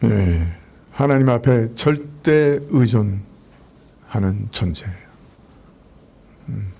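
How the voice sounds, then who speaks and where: A man preaching a Sunday sermon as pastor, in a conversational way, letting phrase endings trail off quietly. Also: medium pitch, expressive, gravelly, husky. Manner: conversational preaching with soft laughs and drawn-out endings. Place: church sanctuary.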